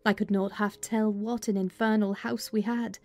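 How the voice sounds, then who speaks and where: Woman acting a mellow housekeeper telling old tales. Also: mid-range voice, flat delivery, normal speed, lightly acted. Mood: measured, reflective. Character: plain-spoken housekeeper recounting her late master's family. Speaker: audiobook narrator. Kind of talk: dramatized literary reading. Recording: music bed behind voice.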